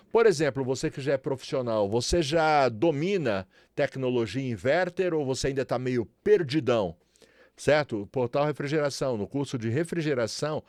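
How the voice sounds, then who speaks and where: A refrigeration instructor from São Paulo, Brazil, speaks to viewers in a casual, promotional tutorial, regularly checking in with "certo?" and "beleza?" in his Brazilian Portuguese accent. His mid-range voice is a little mellow, recorded clean in a studio with no room sound.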